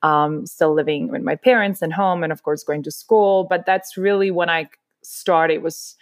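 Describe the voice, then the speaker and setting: A woman's voice: low-pitched, moderate pace, no room sound, studio quality. A woman, telling her story as a podcast guest in an enthusiastic, rambling way. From Czech Republic. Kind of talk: casual interview chat.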